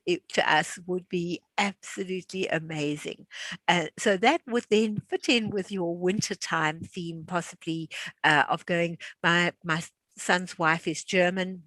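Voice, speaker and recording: A woman's voice: fairly low pitch, a bit bright, no echo. A woman in her sixties hosting an online class, chatting casually and laughing easily. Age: 60s. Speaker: class host. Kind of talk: casual hosted chat.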